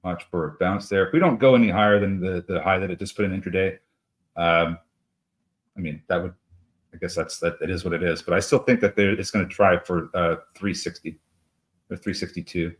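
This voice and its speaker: Very deep-voiced man, halting trade talk. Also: fairly even intonation. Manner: halting, full of uh fillers and restarts. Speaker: trading show co-host. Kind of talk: live market commentary.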